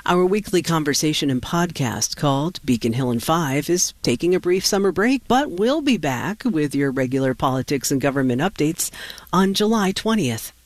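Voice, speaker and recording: A woman hosting local public radio, reading news, weather and sponsor notes in a measured announcer delivery. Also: low voice, lively intonation, dry recording. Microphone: studio microphone.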